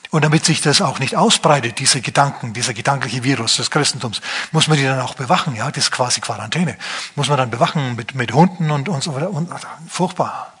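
A man preaching a sermon, animated, now and then mimicking complaining voices in a higher pitch. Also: fairly quick, husky.

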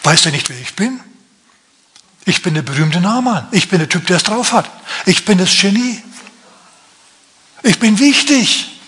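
Man doing a vain furious general, boastful, yelling high and sharp. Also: animated, measured pace, long pauses. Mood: indignant. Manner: indignant, boastful shouting. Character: proud, offended male army general.

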